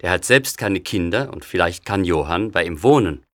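A man voicing a stern, gruff village father in an audiobook story. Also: sits low, animated, moderate pace, dry recording, studio quality, pitched below the performer's own voice. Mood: resigned. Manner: gruff, scolding.

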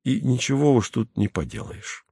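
A man voicing a gentle, easygoing veteran male starship pilot who speaks softly and coaxingly. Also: medium pitch, animated, normal speed, gravelly, breathy edge, no room sound, studio quality, pitched above the performer's own voice. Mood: soothing.

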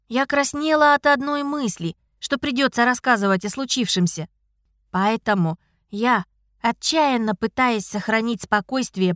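Wry, high-voiced woman narrating. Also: no echo, clean studio sound. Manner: wry, lively, self-ironic. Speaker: audiobook narrator. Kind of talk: first-person novel narration.

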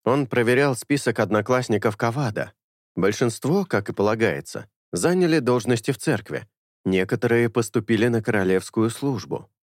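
A man narrating an audiobook in a measured storytelling manner. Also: medium pitch, expressive, no room sound, studio quality.

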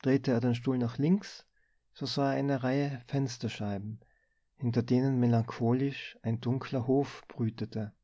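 A man narrates a story at a slow, unhurried pace, weighing each phrase. His voice sits at an ordinary middle pitch. The recording is very dry and slightly dull. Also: level tone, dark tone, no room sound. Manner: measured, deliberate reading. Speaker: audiobook reader. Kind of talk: scripted narration.

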